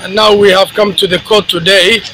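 A middle-aged man, a tenant, giving a halting, emphatic statement to reporters outdoors on a city street. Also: high-pitched, little pitch movement, pushed and bright, poor audio. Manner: halting, many fillers, grows emphatic. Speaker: tenant speaking to press. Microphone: handheld reporter mics close. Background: traffic and street ambience.

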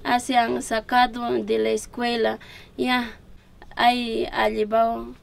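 A middle-aged woman from the Ayacucho region with an Andean Peruvian Spanish accent, giving a halting personal testimony in simple phrasing. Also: on the high side, flat delivery, vocal fry. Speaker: relative of a disappeared man, giving testimony.

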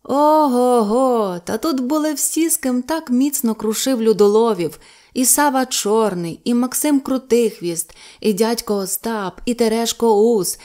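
A woman narrating a folk adventure story in an expressive, even-paced reading. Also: on the high side.

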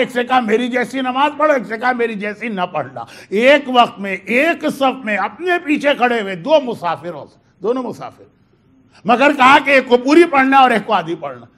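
A man with a South Asian Urdu accent, a cleric delivering a religious sermon in a mosque hall, earnest and building to emphatic shouts. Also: very high-pitched. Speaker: Shia cleric delivering a majlis.

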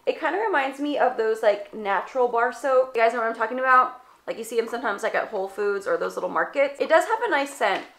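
A beauty vlogger in her twenties, a bit stuffed up and congested, runs through a product haul in a casual chat full of "like." Her voice is on the high side, bright, lively and quick with few pauses. She's filmed up close in a small indoor room lined with shelves.

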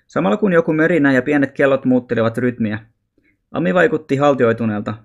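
A man reads a children's novel aloud as an audiobook. His storytelling is calm and even, and his voice sits at a middle pitch. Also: vocal fry. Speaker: audiobook reader.

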